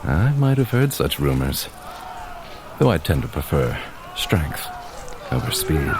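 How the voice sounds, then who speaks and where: A flirty bold warrior, super deep voice, lively, teasing, audio drama, noisy outdoorsy background. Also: male voice, unhurried, exaggerated voice. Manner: playful, teasing, archaic phrasing.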